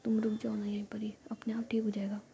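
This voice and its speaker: A woman's voice: medium pitch, monotone, fast, creaky, warm tone, natural voice. A woman voicing a stubborn, teasing young woman who craves attention, spoken in a whisper. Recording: dull lo-fi recording.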